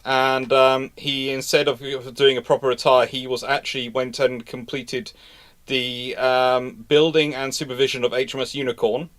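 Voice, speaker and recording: A man's voice: mid-range voice, level tone, normal speed, fairly bright tone. A man hosting a casual live history discussion, telling stories emphatically in a rambling, self-correcting way. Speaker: livestream host and naval historian.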